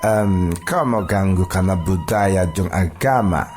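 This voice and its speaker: Colonial European sergeant, played by a male storyteller: earnest, persuasive, slow halting delivery, low pitch, light music behind. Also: a little mellow. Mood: earnest, promising. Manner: halting, drawn-out speech with hesitant hums.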